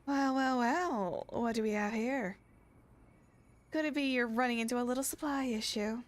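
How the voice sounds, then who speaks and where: A woman's voice: fairly high pitch, moderate pace, natural voice. A woman voicing a sly, teasing young shady merchant in a game, with theatrical salesy delivery. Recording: music behind the voice.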